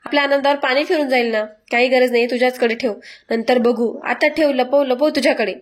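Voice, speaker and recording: A woman's voice: high voice, fairly even intonation, a little fast, lightly acted. A woman voicing a bossy, scheming middle-aged aunt who scolds her niece. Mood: scolding.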